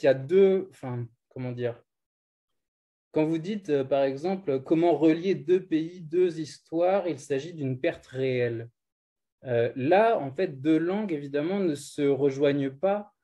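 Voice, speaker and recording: Guy asking a question, mellow voice, polite, a bit hesitant. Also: fairly high pitch. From Brittany. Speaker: audience member asking a question. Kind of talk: question at a lecture.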